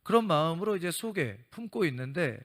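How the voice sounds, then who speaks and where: A man's voice: a little high, big pitch swings, a little fast. A male pastor preaching a sermon and telling a story, acting out its dialogue.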